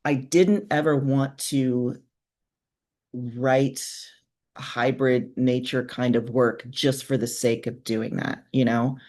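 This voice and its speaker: A woman's voice: a bass voice, fairly even intonation, slow pace, a little mellow. A woman speaking as a guest author in a casual interview, explaining her thinking in an informal, reflective way. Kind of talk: casual, conversational interview answers.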